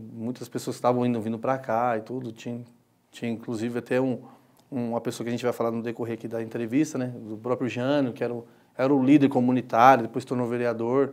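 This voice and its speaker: Very fast and in a monotone, flat intonation, a man delivers his words. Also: medium pitch for a man. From Osasco, São Paulo, Brazil; São Paulo, Brazil. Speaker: city councillor. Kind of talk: interview. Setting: studio. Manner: halting, many repetitions. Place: studio. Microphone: lapel.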